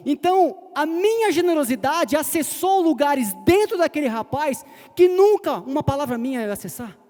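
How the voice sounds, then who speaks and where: A man's voice: very high voice, lively intonation, normal speed, darkish tone. A man preaching a sermon, telling a personal story in a conversational way. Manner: conversational, retells a personal story acting out short quotes. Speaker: pastor. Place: church hall. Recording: long hall reverb.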